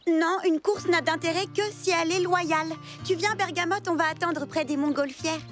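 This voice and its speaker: A woman voicing a plucky, fair-minded young girl in a children's cartoon, telling her adventure in an expressive, earnest way. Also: very high voice, normal speed. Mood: earnest, friendly. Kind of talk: animated children's cartoon dub, storytelling and dialogue. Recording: music behind the voice.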